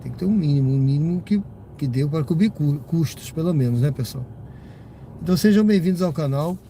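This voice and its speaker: Brazilian guy streaming from his car, a bit stuffy from a cold, mellow voice, faint road hum behind. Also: on the high side, lively intonation, brisk. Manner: rambling, chatty, lots of tag questions to viewers. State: slightly congested from a cold. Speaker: rideshare driver streaming live. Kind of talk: casual live-stream chat while driving. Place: inside a car driving at night. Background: car and road noise.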